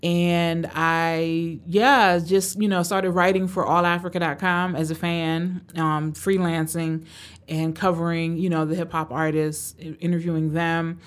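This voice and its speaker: Woman prof answering interview questions, lowish voice, laid back, lots of "you know". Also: measured pace. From Tanzania, raised in Cleveland, Ohio. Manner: relaxed, many fillers, thoughtful. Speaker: guest, professor.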